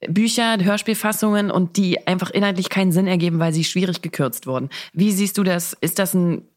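A woman's voice: lowish voice, brisk, a little mellow. A woman with a German accent co-hosting a podcast, asking questions in a casual, conversational way. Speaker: podcast co-host and interviewer.

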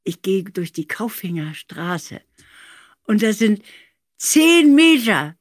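Older woman, anecdotal storytelling, emphatic delivery, mid-pitched voice, dry recording. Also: big pitch swings, slow pace, no echo. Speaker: audio drama director recalling studio work.

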